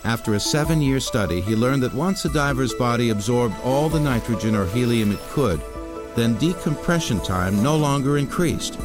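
A man's voice: mid-range voice, expressive, normal speed. A man with an American accent reading scripted documentary narration as the narrator. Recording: music bed under narration.

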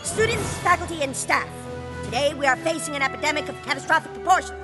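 A woman's voice: sits high, fast, music in the background, lightly acted. A woman voicing a pompous schoolboy who speechifies grandly. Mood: grave.

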